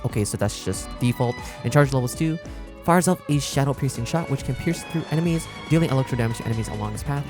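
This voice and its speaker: A man giving casual, chatty reaction commentary as a gaming content creator, explaining things as he goes. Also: mid-range voice. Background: music.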